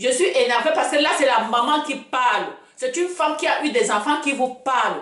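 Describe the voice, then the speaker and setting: With audible room echo and noticeable background noise, the speaker talks at a moderate pace with lively intonation. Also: woman. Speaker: vlogger. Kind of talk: video commentary. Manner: trembling voice; emotional, halting.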